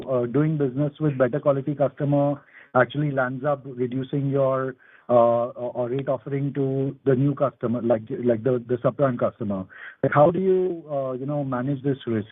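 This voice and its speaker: A man's voice: medium pitch, dry recording. A man asking questions as an analyst on a conference call, hesitant and hedging in his phrasing. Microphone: telephone. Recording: dry, narrow phone line.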